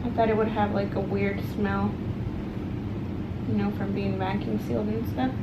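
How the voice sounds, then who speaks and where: In a very noisy recording, a young female vlogger reviews products at home, in her bedroom and on the stairs. Her mid-range voice stays level at a moderate pace. She chats casually to the camera, calling viewers "guys" and using lots of ums and likes.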